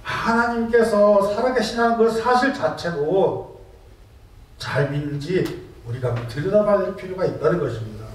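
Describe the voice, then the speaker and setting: A male pastor preaching a sermon, firing rhetorical questions at the congregation and telling stories with animation. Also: sits high. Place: church sanctuary. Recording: echoey church hall, distant mic.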